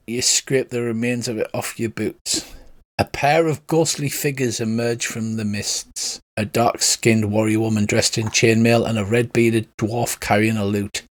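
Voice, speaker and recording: A man's voice: medium pitch, no echo. Man running a tabletop game, conversational. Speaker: game master. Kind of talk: narrating a tabletop game, casual.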